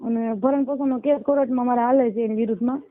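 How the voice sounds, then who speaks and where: A woman of 29 calls seeking help, giving a pleading personal account in a Saurashtra Gujarati accent. She speaks at a quick pace in a slightly high, steady voice, captured on a dull lo-fi phone recording.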